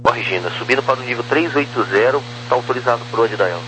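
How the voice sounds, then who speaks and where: A man's voice: mid-range voice, quick pace. A Brazilian man giving clipped, procedural air traffic control instructions over a two-way walkie-talkie radio. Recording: noisy radio transmission with hum.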